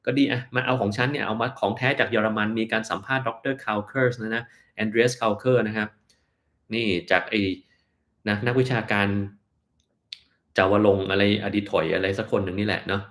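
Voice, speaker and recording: A man's voice: lowish voice, steady tone, a little fast, a bit bright. A man, a doctor from Thailand, answering viewers' health questions in a casual live stream, blunt and offhand. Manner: blunt, offhand, sometimes mocking in quoted asides.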